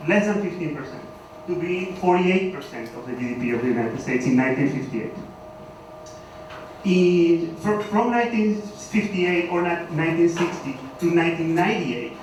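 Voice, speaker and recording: A man with a Venezuelan Spanish accent talks at a conference in a hesitant, self-deprecating manner, full of fillers and restarts. His voice sits a little high for a man. He is picked up from a distance in a very echoey hall, with a faint hiss behind him. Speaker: conference speaker. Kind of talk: academic talk.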